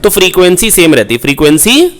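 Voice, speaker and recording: Male physics tutor, somewhat high voice, repetitive and coaxing, full of questions to the class. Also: sing-song, quick pace, fairly bright tone. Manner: coaxing, repeats key points, calls students "beta"; asks rhetorical questions, prompts answers. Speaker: physics teacher. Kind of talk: online exam-prep lecture.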